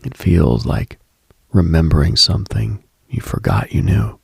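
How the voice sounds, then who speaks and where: Male late-night host, heavy vocal fry, very dry close sound; intimate, husky, unhurried, contemplative ASMR-style delivery. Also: low voice, big pitch swings, dry recording. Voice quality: husky, gravelly, breathy. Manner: hushed, unhurried, contemplative, addresses listener directly.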